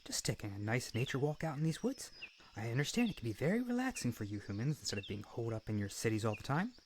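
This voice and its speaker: A man's voice: medium pitch, big pitch swings, fast, noisy background, natural voice. A man voicing an eager, naive young male harpy in an ASMR roleplay, chattering earnestly and nervously to the listener. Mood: curious, approving. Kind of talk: ASMR roleplay audio drama.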